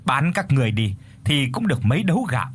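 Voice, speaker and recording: A man's voice: medium pitch, sing-song, quick pace, husky. A man playing a mocking village frog-catcher in a told folk tale. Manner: mocking, bossy. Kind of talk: storytelling.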